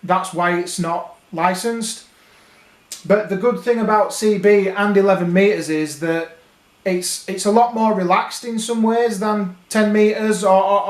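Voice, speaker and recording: Higher-voiced British man in an echoey room. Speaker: radio hobby vlogger. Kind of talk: casual explanatory talk to viewers. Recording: roomy, echoing indoor sound.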